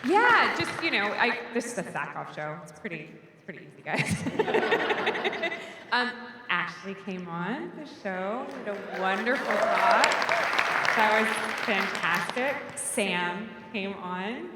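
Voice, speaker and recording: Woman, panel guest, giggly, halting, distant echoey mic. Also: mid-range voice, big pitch swings, over a noisy crowd, very noisy. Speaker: panel guest, podcast host. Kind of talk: casual panel chat. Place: large convention hall. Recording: echoey hall from far off.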